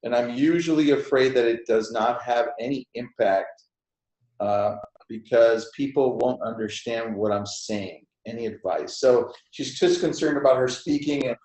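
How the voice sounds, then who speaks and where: A man's voice: medium pitch, unhurried, darkish tone. A man hosting a casual group webinar chat in an informal, laid-back way. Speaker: host of a group discussion. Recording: echoey room.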